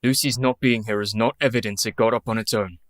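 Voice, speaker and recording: A man's voice: fairly low pitch, fairly even intonation, fast talker, fairly bright tone, no room sound, close to an everyday voice. Man voicing a skeptical doctor, reasoned, dry close sound, radio play. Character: Doctor Seward, skeptical rational male doctor.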